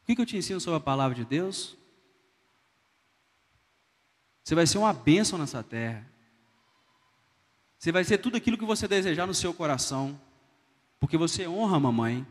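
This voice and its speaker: A God-fearing mother comforts her child in a soft, reassuring tone, voiced by a male preacher. The voice is fairly high and tender. It rings out through a church hall with a long echo. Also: expressive, fast talker.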